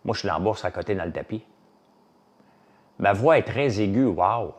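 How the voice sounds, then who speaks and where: Brief: lowish-voiced Québécois French man, casual chat with a live audience, rambling, lots of fillers. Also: animated, normal speed. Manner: rambling, many fillers, jumps between topics. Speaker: farmer and business owner.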